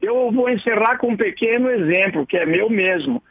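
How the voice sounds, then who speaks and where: A man's voice: high-pitched, normal speed, gravelly. A man giving a casual, digressive radio column as a writer, explaining words with chuckles along the way. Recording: dull lo-fi radio broadcast.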